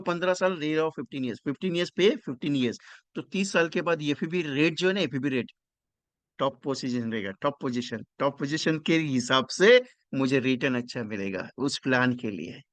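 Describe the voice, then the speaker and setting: At a moderate pace and with a slightly bright, high-leaning voice, a man leads insurance agents through an online training with no echo. Phrases get repeated for emphasis, English slips into his explanations, and he asks the audience questions while calculating figures one step at a time.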